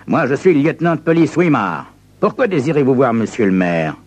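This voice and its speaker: A man's voice: medium pitch, sing-song, a little fast, voice pushed up. A man doing a jumpy, officious police lieutenant. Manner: polite but increasingly panicky.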